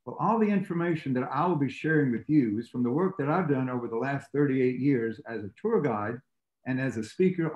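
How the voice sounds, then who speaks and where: An older man whose first language is Greek, giving a steady, measured talk as a tour guide and lecturer over a video call. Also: mid-range voice, reverberant, muffled recording. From United States.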